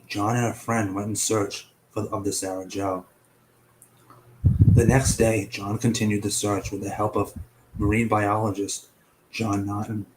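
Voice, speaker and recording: A young man hosts a casual online mystery show, chatting loosely with some swearing, tripping over names, coughing, and partly losing his voice. His voice sits on the low side and is a little mellow. The audio is poor, with slight background noise.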